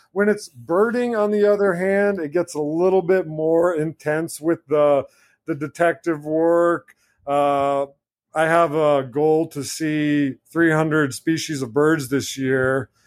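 With an American accent, a man speaks very slowly in a fairly high pitch with ordinary pitch variation, on a very clean recording with a silent background. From central Virginia. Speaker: nature photographer and writer. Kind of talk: interview conversation.

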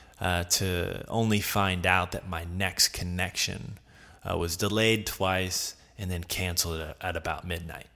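A man with an American accent has a very deep, low voice with a bright, sharp tone. He speaks fairly slowly with fairly even intonation. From US South. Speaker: podcast host. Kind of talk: casual monologue, faith reflection.

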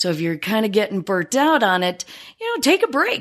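A woman with an American accent speaks at a medium pitch in a plain, everyday voice, on a very clean recording with a silent background. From US Midwest, Chicago suburbs. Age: 50s. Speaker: health and wellness coach. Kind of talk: interview.

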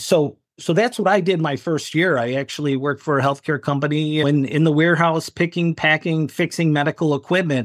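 Pitched fairly high, a man speaks at a fairly quick pace with hardly any pauses and ordinary pitch variation. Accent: American. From Chicago, south side. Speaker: leadership expert, executive. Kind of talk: interview. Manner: repetitive, halting starts.

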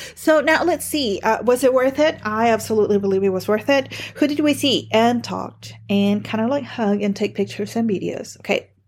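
A woman with a Spanish accent speaks at a fairly quick pace in an animated tone with lively intonation. The recording is very clean, with a silent background. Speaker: travel planner and podcast host. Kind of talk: casual monologue review. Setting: home recording with microphone. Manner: animated, filler-heavy.

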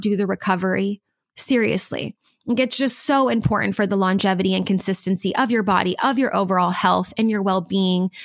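On a very clean recording with a silent background, a woman talks at a medium pitch in a normal speaking voice. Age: 30s. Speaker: fitness coach and podcast host. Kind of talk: solo podcast monologue. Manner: casual, filler-heavy.

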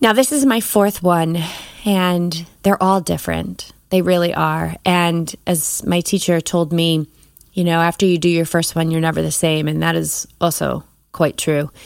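A woman with a normal speaking voice speaks at a fairly slow pace and fairly low pitch, with ordinary pitch variation, in a very clean recording with a silent background. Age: 50s. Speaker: mindset coach and podcast host. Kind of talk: solo podcast monologue.

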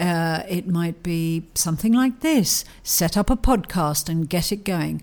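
Against a silent background on a very clean recording, a woman with a fairly low pitch talks in an ordinary speaking voice at a fairly slow pace, with hardly any pauses and ordinary pitch variation. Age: 60s. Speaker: novelist and podcast host. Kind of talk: casual monologue.

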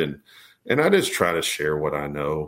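The speaker talks with a Texan accent. The recording is very clean, with a silent background. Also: man. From Texas. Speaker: fire chief. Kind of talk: casual chat.

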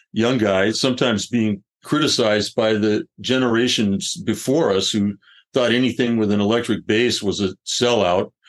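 A man talks at a moderate pace with a medium pitch and fairly even intonation. It is a normal speaking voice. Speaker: podcast host and broadcaster. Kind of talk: interview.

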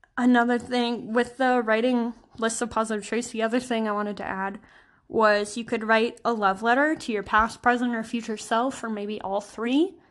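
Her pitch fairly high and her intonation fairly even, a woman speaks at a moderate pace against a quiet background. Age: 20s. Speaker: solo podcast host, psychology student. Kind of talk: casual solo monologue.

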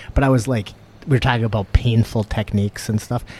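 A man's medium-pitched, somewhat breathy voice with a dark, mellow tone. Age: 30s. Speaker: podcast host and martial arts coach. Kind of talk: casual chat.

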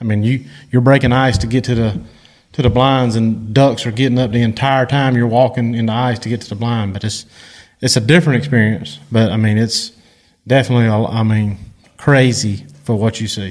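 A man talks at a fairly quick pace in a plain, everyday voice. His intonation is fairly even. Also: medium pitch for a man. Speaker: hunting trip companion. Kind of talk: casual chat.

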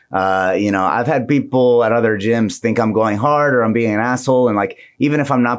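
Ordinary rises and falls in pitch mark speech delivered fairly quickly. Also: man. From mixed: Thailand, California, Netherlands, Washington DC. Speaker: martial artist and traveler. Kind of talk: casual interview. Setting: office.

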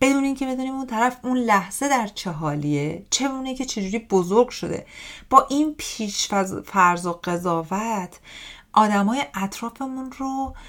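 A woman's plain, everyday voice at a moderate pace, with lively intonation, on a very clean recording with a silent background. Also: fairly high pitch for a woman. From Iran. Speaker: life coach, podcast host. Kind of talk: solo talk monologue. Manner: casual conversational.

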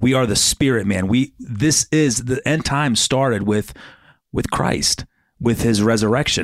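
A man's normal speaking voice at medium pitch, fairly slow with ordinary pitch variation, dry and close with no echo on a very clean recording with a silent background. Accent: American. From Philadelphia, raised there after emigrating from Belarus. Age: 30s. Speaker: podcast co-host. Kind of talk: casual discussion.

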